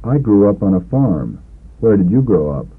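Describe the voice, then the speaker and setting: A man leading scripted substitution drills as a language course narrator, in a deliberate, instructional manner. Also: lowish voice, sing-song, breathy edge. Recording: narrow, phone-like old lesson tape.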